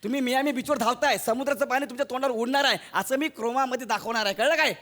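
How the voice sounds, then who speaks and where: A man's voice: extremely high pitch, rapid-fire, noisy background. A man with a Marathi accent playing a bossy film director in a stage comedy sketch, coaxing and giving orders.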